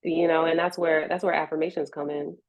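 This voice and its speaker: American woman, low voice w vocal fry, dry close sound, encouraging interview chat. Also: level tone, fairly quick, no room sound. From Richmond, United States. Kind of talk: reflective conversational interview.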